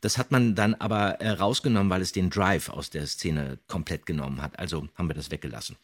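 A man's voice: sits low, steady tone, quick pace. A man who hosts a podcast and voice acts, commenting casually and animatedly on audio dramas, with theatrically quoted lines. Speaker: podcast host and voice actor.

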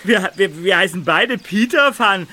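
High-voiced young detective. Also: male voice, lively intonation, moderate pace, sharp tone, a little hiss or hum. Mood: amazed. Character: young male amateur detective, chatty and easily amazed. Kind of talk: German audio drama acting.

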